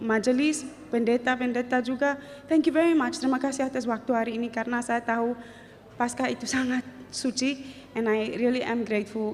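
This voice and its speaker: A woman speaks in a high pitch with ordinary pitch variation. Noticeable background noise runs beneath her voice. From South Africa. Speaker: church mission fundraising officer. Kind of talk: church announcement / thank-you speech. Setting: church service. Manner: halting, mixing English and Indonesian.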